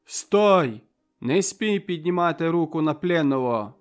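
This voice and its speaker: A man voicing a burly middle-aged peasant man who shouts boldly to rally a crowd. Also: fairly high pitch, lively intonation, unhurried, faint music behind, pitched above the performer's own voice. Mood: bold, rousing.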